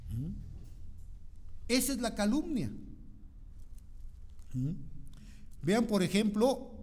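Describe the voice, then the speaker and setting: A man with a high, bright preaching voice delivers a slow, deliberate sermon. He reads scripture with dramatic swells and keeps tossing quick questions to his listeners. The sound rings with a long church-hall reverb. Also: sing-song, husky. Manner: rhetorical questions to the congregation, dramatic scripture reading. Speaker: pastor.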